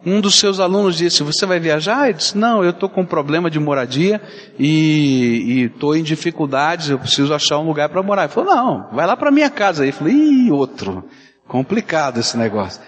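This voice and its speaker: A Brazilian pastor preaching with animated storytelling, slipping into the voices of the people in his stories. His voice sits a bit high for a man. It rings out with a long reverb in a church hall. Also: brisk. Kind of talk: sermon.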